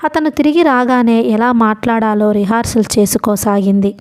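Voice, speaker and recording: A woman narrating a novel for an audiobook in a steady, measured reading. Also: on the high side.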